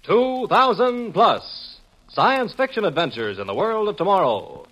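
A man's voice: high voice, very animated, unhurried, fairly bright tone, full character voice, rough recording. A man as a dramatic 1950s science fiction radio announcer, proclaiming each phrase grandly. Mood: grandiose.

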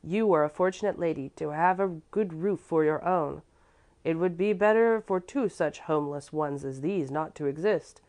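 A woman's voice: sits low, moderate pace, darkish tone, lightly acted. A woman reading as a weary, pleading beggar mother.

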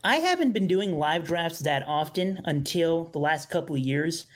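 A man's voice: on the high side, lively intonation, moderate pace. A young man being interviewed as a guest on a podcast, often restarting his sentences with fillers. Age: young adult. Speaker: podcast guest, fantasy sports analyst. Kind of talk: casual interview chat.

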